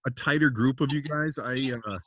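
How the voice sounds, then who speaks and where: A man's voice: mid-range voice, normal speed, a bit bright, dry recording. Easygoing male podcast host. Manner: easygoing, agreeable interviewer with short responses. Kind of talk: casual podcast interview.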